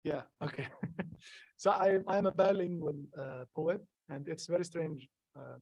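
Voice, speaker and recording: A young man from Gaza whose first language is Arabic, a poet answering questions at a live event, halting and earnest with many restarts. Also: a little high, creaky, a little mellow, dry recording, lo-fi sound. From Gaza, Palestine. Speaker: poet, guest. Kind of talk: live conversation at a public event.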